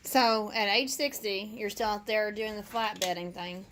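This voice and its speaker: A woman's voice: mid-range voice, steady tone, moderate pace, background noise. A woman casually asking questions and commenting from behind the camera.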